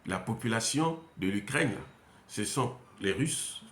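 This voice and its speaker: Male, Central African French accent, emphatic and repetitive, lively pitch, echoey room. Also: slow pace. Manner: emphatic, repetitive, many hesitations. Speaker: commentator. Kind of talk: unscripted monologue. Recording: roomy echo.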